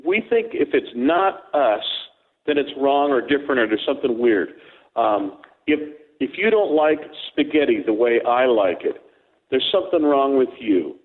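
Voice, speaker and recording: A man's voice: medium pitch, big pitch swings, moderate pace. A man co-hosting a radio talk show, joking and rambling as he tells stories. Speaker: co-host. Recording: tinny phone line.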